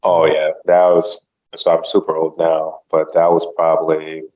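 Very deep-voiced man, dull lo-fi sound. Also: completely flat delivery, normal speed. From United States. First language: Haitian Creole. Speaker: podcast guest. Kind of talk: casual interview chat.

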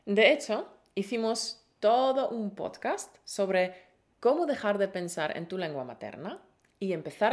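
A woman co-hosting a Spanish-learning podcast, teaching in a playful, encouraging way with pet names. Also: medium pitch. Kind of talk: lively scripted lesson.

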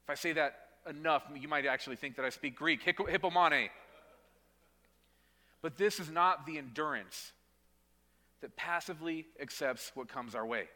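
A male pastor preaching a sermon in a church. He speaks emphatically, repeats words as he goes, and drops to quiet, weighty lines. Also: fairly high pitch, normal speed, long pauses, in a large hall. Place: church sanctuary.

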